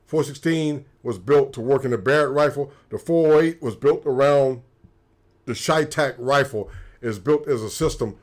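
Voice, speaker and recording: Here the co-host, a former sniper, has a mid-range voice at normal speed. His livestream talk is casual and explanatory, delivered matter-of-factly with lots of restarts.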